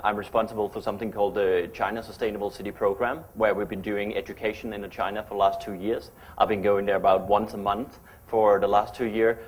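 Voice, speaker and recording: Fast-talking lecturer, Danish native speaker. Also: male voice, lowish voice. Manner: fast-talking, chatty, self-deprecating. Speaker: architect giving a lecture. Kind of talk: public lecture.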